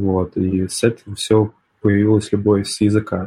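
In an ordinary speaking voice, a man talks with fairly low pitch and fairly even intonation. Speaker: mobile developer. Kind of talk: casual chat.

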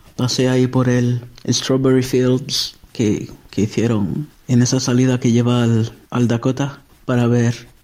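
A man's medium-pitched, dark, mellow voice in a flat monotone at a fairly slow pace. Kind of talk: spontaneous spoken letter. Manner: halting, repeats words.

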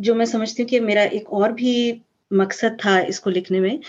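A woman talks in a normal speaking voice at a fairly high pitch. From United States. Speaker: children's book author, doctor. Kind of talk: interview.

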